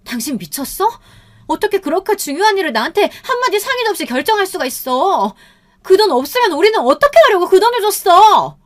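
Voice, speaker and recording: A woman voicing an outraged, sharp-tongued young wife in a story, indignant and confrontational. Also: medium pitch, animated, a little slow, few pauses, breathy edge. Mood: furious.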